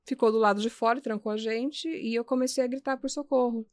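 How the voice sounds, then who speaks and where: A woman, a guest on an interview podcast, earnestly recounting events step by step, with frequent restarts and halting repetitions. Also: a little high, fairly even intonation, a little mellow. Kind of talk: personal storytelling in a podcast interview.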